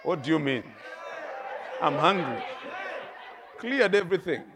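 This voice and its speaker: A middle-aged man with a Kenyan accent, preaching a sermon with lively stories, laughing and swinging between soft and loud. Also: fairly high pitch, measured pace, crowd noise, background noise. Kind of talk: sermon with storytelling.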